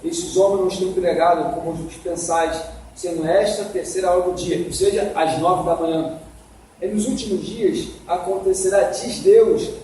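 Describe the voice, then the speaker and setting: A man's voice: sits high, fairly even intonation, moderate pace, warm tone, recorded from a distance. Man teaching Bible class in echoey hall. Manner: asks the class questions, coaxing. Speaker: Sunday school teacher. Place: church hall.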